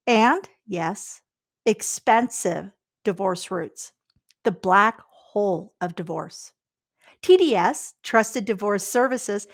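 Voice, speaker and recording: A woman hosting a podcast interview, bubbly and energetic, talking with many fillers and restarts. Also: on the high side. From Canada. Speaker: podcast host.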